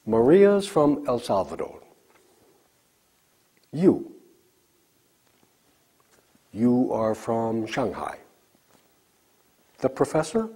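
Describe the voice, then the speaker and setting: A man leads a recorded English lesson, drilling short example sentences at a slow, deliberate pace. His pitch moves a lot as he models the phrases for learners to repeat. His voice is mellow and a little husky. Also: sing-song. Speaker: English teacher.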